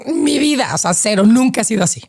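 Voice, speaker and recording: A woman in her forties with a Mexican accent, a podcast guest telling a heartfelt story in lively, slangy talk full of fillers. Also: on the high side, fast talker, husky. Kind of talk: emotional storytelling.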